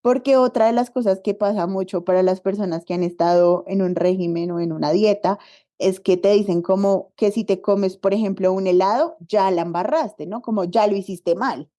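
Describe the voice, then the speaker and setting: Woman, podcast guest; relaxed, mellow voice, chatty and expressive. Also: medium pitch, normal speed. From Colombia. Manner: animated storytelling, acts out quoted dialogue. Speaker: podcast guest, body diversity activist. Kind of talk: casual conversational interview.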